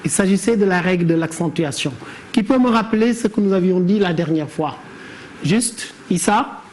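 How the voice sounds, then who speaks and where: A woman's voice: on the low side, normal speed, darkish tone. A woman teaching a classroom lesson on verse. She explains step by step and calls on pupils by name. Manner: didactic, questions pupils by name.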